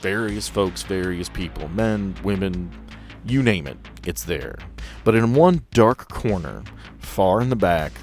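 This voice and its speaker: Low-voiced man running a tabletop game. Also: lively intonation, a little slow, darkish tone, faint music behind. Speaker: game master. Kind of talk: improvised narration of a tabletop roleplaying game.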